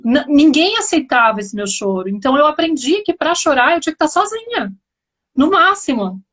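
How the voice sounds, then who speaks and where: A woman's voice: sits high, big pitch swings, fairly quick, fairly bright tone. A woman host, talking reflectively in a live conversation and often tagging her sentences with questions. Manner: reflective, explaining, frequent "né" tags.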